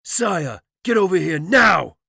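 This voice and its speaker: A man voicing an arrogant, furious male high elf who shouts insults with a gravelly, husky edge. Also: very animated, slow, no room sound, clean studio sound, exaggerated voice. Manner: haughty, shouting.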